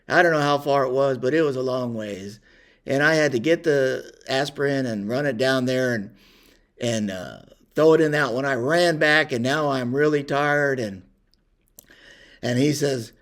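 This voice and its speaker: An older man telling a personal story in a rambling, unhurried way with many pauses and fillers. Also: mid-range voice, fairly bright tone. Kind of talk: casual spoken reminiscence.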